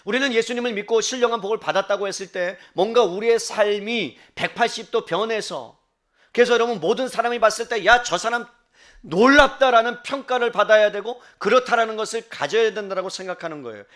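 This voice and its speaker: Male pastor, high-pitched, animated sermon delivery with quiet asides and questions to the congregation. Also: fast talker. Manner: animated preaching, dropping to quiet voice for inner thoughts; asks the congregation direct questions.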